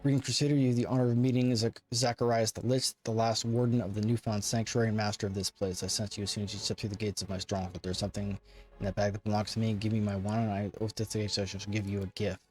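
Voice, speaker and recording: A man's voice: lowish voice, little pitch movement, quick pace, darkish tone, close to an everyday voice. A man voicing an arrogant, lordly ancient undead lich from a fantasy game, with haughty, formal, archaic speech. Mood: lordly, demanding. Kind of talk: reading game dialogue in character.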